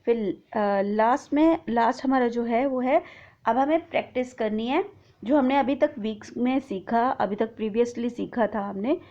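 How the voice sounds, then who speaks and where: Woman teaching kids grammar, slow spelling it all out, kinda muffled recording. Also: fairly high pitch, mellow. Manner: spells words out letter by letter, says "ठीक है" often. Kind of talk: explaining grammar worksheet. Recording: dull lo-fi recording.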